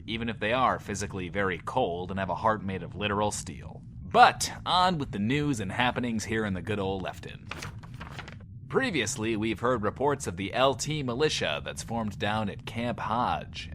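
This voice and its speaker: An actor playing a swaggering but insecure host of a post-apocalyptic bunker radio show, talking in a pompous, wordy, theatrical way. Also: male voice, on the low side, fairly bright tone, slight background noise. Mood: wistful, self-important, then newsy, dramatic. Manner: pompous, wordy, theatrical, talks of himself in third person. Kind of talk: in-world radio show monologue, audio drama.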